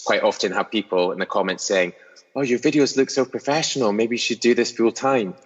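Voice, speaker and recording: A young Scottish man from the northeast, near Inverness, chats casually as a podcast guest over a video call from his own studio, mocking himself and restarting often. His voice is fairly low, husky and a little fast. The audio is dull and sounds like a large hall.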